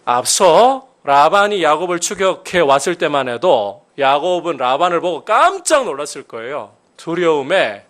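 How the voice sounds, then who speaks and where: A man's voice: fairly high pitch, fairly bright tone. Man preaching a sermon with rising emphasis. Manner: preaching with rising emphatic peaks, reading scripture aloud. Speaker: pastor.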